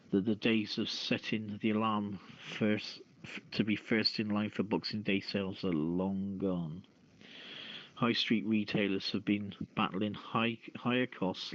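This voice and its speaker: A man hosting a casual talk show and reading out news in a halting way, on a dull lo-fi voice chat. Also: lowish voice. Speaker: host.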